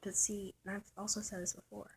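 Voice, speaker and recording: Trans man, soft light voice, gravelly fry, halting and searching, personal vlog monologue. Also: sits high, little pitch movement, background noise. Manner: halting and searching, many restarts and trailing whispers; confiding, thinking aloud. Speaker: vlogger.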